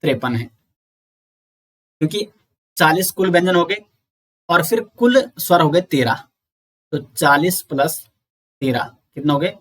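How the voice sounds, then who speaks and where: A man's voice: fairly high pitch, lively intonation, a bit bright. Man teaching, repeating each sound. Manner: explains slowly, repeats sounds and counts aloud. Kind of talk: exam-prep lecture.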